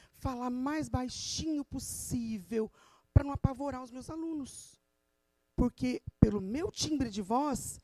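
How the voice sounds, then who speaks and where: Hoarse low-voiced woman preaching. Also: mellow, dry recording. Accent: Brazilian Portuguese. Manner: emphatic, teacherly, addresses the audience. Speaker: teacher giving a talk in church. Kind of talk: church talk on communication.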